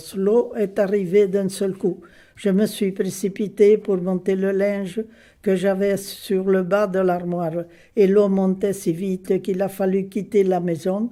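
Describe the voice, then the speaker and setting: A dark, mellow tone delivered at a very slow pace with monotone, flat intonation. The recording is very clean, with a silent background. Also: woman, medium pitch for a woman. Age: 80s+. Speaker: elderly resident sharing memories. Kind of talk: reading aloud.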